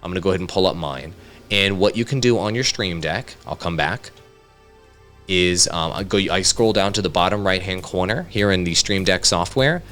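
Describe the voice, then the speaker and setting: A man presenting a casual software tutorial in an upbeat, conversational way, speaking directly to viewers into a studio microphone. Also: low voice, lively intonation, moderate pace, soft background music. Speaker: tutorial host, content creator. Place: home studio.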